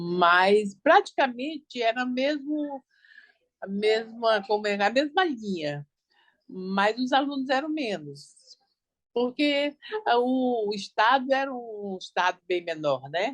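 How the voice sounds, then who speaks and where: With very wide pitch swings and a fairly high pitch, a woman speaks at a very slow pace in a dry, close sound with no echo. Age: 70s. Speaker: retired former student interviewee. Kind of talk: interview testimony. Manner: halting.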